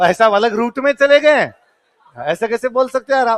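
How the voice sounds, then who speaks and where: The sound of this man's voice is dry and close with no echo, against a quiet background. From Rajasthan, Ganganagar belt. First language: Rajasthani (speaking Hindi). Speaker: teacher. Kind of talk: lecture. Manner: casual, conversational.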